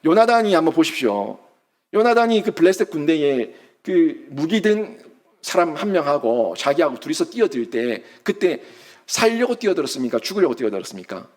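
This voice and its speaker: A male pastor delivers a sermon in a high voice that swings widely in pitch. He preaches emphatically and keeps throwing rhetorical questions at his congregation. His delivery stays animated throughout. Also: moderate pace.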